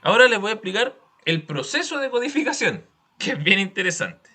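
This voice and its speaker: A man's voice: high voice, big pitch swings, brisk, sharp tone. A man with a Chilean accent teaching a class, explaining step by step with examples and frequent check-in questions.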